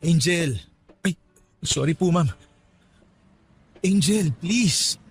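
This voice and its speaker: Earnest, husky lovestruck suitor. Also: male voice, a little high, very slow, faint music behind, exaggerated voice. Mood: pleading. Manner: pleading, insistent. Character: earnest, lovestruck young man begging for another chance. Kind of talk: radio romance drama acting.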